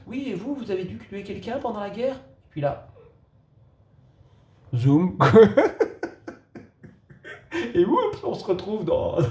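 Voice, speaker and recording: A man with a gravelly, warm, relaxed voice talks through a film review in a loose, casual way. He trips over his words and restarts often, chuckling as he goes. The room around him is echoey. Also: medium pitch. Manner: halting, with many restarts and chuckles.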